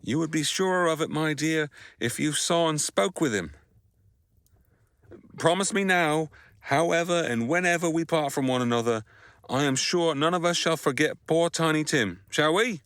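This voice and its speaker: Man as gentle grieving father, lightish voice. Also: a little high, normal speed, smooth. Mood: tender sorrow. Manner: tender, earnest, old-fashioned phrasing. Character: gentle grieving father, humble Victorian clerk. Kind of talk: audio drama acting.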